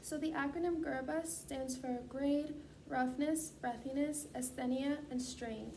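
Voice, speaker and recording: A woman's voice: high voice, steady tone, a little slow, a little mellow. A woman speaking formally and methodically as she administers a scripted clinical assessment. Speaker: student speech clinician giving a voice assessment. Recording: distant mic, clear background noise.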